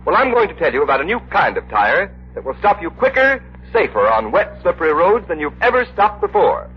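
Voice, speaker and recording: A man announcing on 1930s radio, speaking persuasively and emphatically in a lively, rather high voice. The sound is dull, like an old broadcast. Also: brisk, slight background noise.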